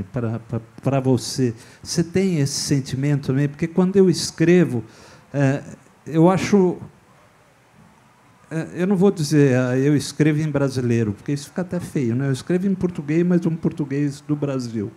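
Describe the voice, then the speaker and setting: A man's voice: medium pitch, dark tone. A man moderating a literary panel, asking questions in a playful, provocative way. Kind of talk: panel discussion.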